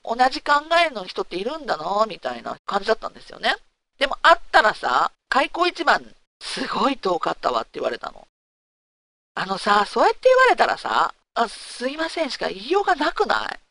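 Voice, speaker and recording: Woman telling her own story, frank, bright sharp voice, dry close sound, asks listeners stuff. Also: medium pitch, fairly quick, creaky, no room sound. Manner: frank and animated, asks listeners rhetorical questions. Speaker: host of a talk segment. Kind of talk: candid casual storytelling.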